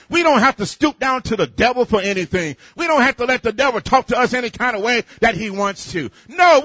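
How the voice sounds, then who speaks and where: A man preaching a sermon in a loud, boisterous way, building up to near shouting and easing back into storytelling. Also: extremely high pitch, no room sound.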